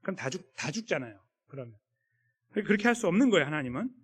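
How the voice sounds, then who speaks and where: Lively conversational preacher man, echoey church. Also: a little high, quick pace, slightly rough. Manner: conversational, acts out quoted voices. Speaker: pastor. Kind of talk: sermon. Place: church sanctuary.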